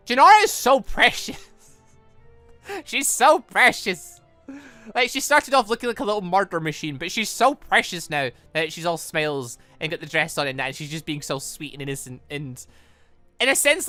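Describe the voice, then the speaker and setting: An excitable gaming host gushing, exclaiming and rambling through commentary on a visual novel, reading along as they play. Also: mid-range voice, moderate pace, no echo. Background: music.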